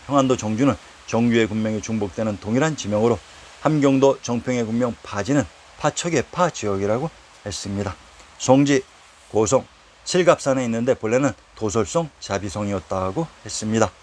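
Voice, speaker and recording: A man reading a formal lecture on old place names, reciting quotations from historical texts at a steady, even pace. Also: medium pitch, slight background noise. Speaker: narrator of a history lecture series. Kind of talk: read-aloud historical lecture.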